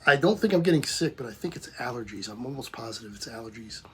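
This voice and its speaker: A middle-aged man hosting a music reaction channel, talking casually with lots of ums, hoarse and losing his voice. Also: mid-range voice, quick pace. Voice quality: husky. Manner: relaxed, repetitive, lots of ums.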